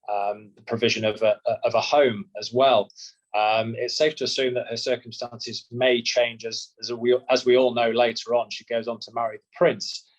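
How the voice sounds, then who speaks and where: A man answering as a solicitor, measured and explanatory, often repeating words as he restarts. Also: medium pitch, low-quality recording. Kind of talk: expert interview answers.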